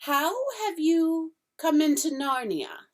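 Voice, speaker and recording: A polite, nervous fawn with a raised, lilting voice that leaps about and trips over its words, now and then dropping to a breathy whisper, as a woman reading aloud puts him on. He sounds fussy and eager, a storybook creature who can't quite keep his composure. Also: high-pitched, very animated, slow pace, voice pushed up, full character voice. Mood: nervous delight. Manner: stammering, flustered, breathy whispers.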